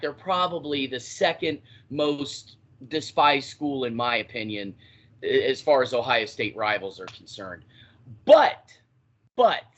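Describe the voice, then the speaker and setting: A man co-hosting a sports podcast in an animated, chatty way, swearing casually as he talks. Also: on the high side. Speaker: podcast co-host. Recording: dull lo-fi podcast audio.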